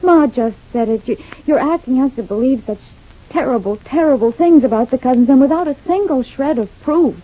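A woman's voice: high-pitched, expressive, fairly quick. An actress playing Fay, an anxious young woman pleading with the family in a radio soap. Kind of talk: 1940s radio acting. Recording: thin, tinny old radio transcription.

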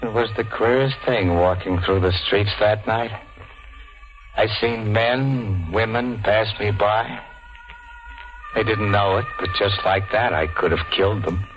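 Actor as a low-voiced menacing radio hood. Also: male voice, a little slow, close to an everyday voice. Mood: brooding, boastful. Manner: tough slangy talk, threatening. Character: menacing, distrustful small-time hood who believes he kills by thought. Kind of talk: 1940s radio crime drama acting and narration. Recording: muffled old-time radio recording with music.

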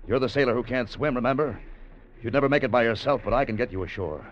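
An actor playing a calm, stern man in a 1940s radio drama, speaking in a cool, level, quietly menacing way. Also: mid-range voice, fast, natural voice. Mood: cold. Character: calm, stern man who turns in a killer. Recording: dull old radio broadcast, faint noise.

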